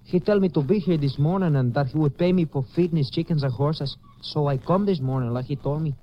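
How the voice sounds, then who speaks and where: A man's voice: a little high, brisk, lightly acted. A male actor playing a humble, polite young ranch hand with simple, deferential speech in a 1950s radio western. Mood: polite, earnest. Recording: muffled, noisy old radio recording.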